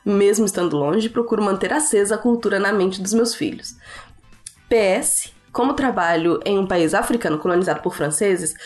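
A woman with a Brazilian Portuguese accent hosting a podcast, reading listener emails aloud and answering them in a chatty way with fillers. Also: fairly high pitch. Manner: chatty, reads letters aloud then answers with laughs and fillers.

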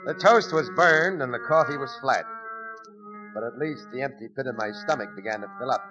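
An actor playing a hard-boiled police detective who also narrates, in a 1940s-style radio drama, clipped and wry. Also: male voice, medium pitch, a little fast, music in the background, natural voice. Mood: narrating. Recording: muffled old radio recording.

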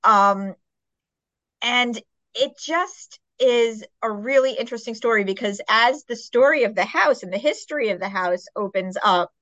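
A woman with a fairly high, fairly bright voice talks at a moderate pace, chatting casually and gushingly about books in a peppy interview on her podcast. The recording is dry, with the highs cut off.

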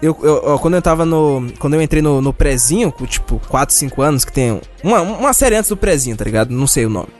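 A man's voice: a little high, expressive, quick pace, hardly any pauses, darkish tone, soft background music. A man on a casual podcast, telling a childhood story in a rambling way with many fillers. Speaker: podcast co-host. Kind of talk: casual chat.

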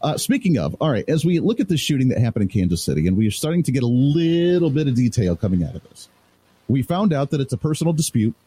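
A man's voice: mid-range voice, big pitch swings, fast talker, dark tone, breathy edge. A man sitting in as a talk radio host, chatting loosely and laughing easily with his co-host. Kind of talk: casual talk radio chat.

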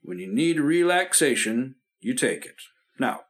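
A man playing a patient, reassuring doctor in an old radio drama, speaking steadily and gently firm. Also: medium pitch, very animated, unhurried. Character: calm reassuring male family doctor. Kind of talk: 1950s radio drama acting.

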